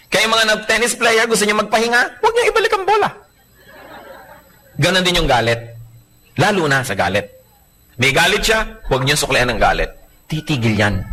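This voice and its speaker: Lively bright-voiced preacher man. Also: high-pitched, poor audio. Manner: lively and humorous, acting out quoted people; mixes in English phrases and Bible verses. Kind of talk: sermon.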